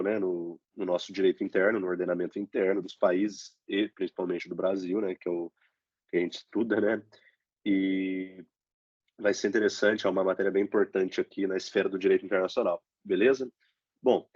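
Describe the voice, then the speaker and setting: Young Brazilian teaching assistant, deep voice blocked by a cold, halting delivery, dull dry computer mic. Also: male voice, a little mellow, no echo. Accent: Brazilian Portuguese. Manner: slow, halting explanation with frequent "né?" fillers. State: congested, stuffy nose from a cold. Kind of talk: online review lesson.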